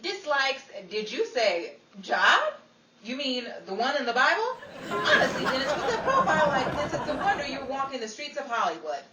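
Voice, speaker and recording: An actress playing a sardonic, exasperated young Hollywood starlet who delivers dry, teasing put-downs in 1940s radio comedy style. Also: female voice, sits high, huge pitch swings, normal speed. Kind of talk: 1940s old-time radio comedy acting. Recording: echoey, distant mic with faint crowd and noise.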